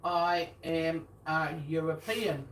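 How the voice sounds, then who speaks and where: A woman, chatting warmly at a family dinner and encouraging a child. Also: sits low, takes it slowly. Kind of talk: casual family chat. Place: home dinner table, indoors. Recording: roomy, distant, noisy home video.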